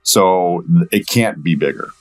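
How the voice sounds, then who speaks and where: A man speaking as a guest voice actor in a casual interview and commentary, with halting, measured phrasing. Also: low-pitched, soft background music.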